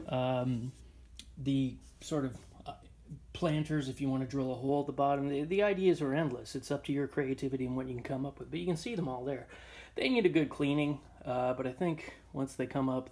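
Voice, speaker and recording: A man's voice: medium pitch, a little mellow. A man walking through his antique finds on a handheld phone, talking casually with many ums and uhs. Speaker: antiques dealer showing finds. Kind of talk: casual walkthrough vlog. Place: indoor shop or barn, tiled floor. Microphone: handheld phone camera. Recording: noisy phone recording.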